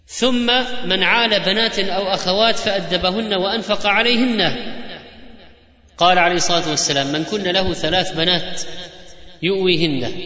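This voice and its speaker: A man giving a religious lecture, rattling off quoted sayings in a lively preaching cadence. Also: sits high. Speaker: Islamic preacher. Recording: echoey hall, dull lo-fi sound.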